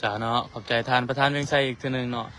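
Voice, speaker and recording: A man with a Lao accent hosting a livestream, formally thanking sponsors and officials in a measured way. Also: mid-range voice, fairly even intonation, a bit bright, a little hiss or hum. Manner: formal and measured, full of tag particles. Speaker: livestream host.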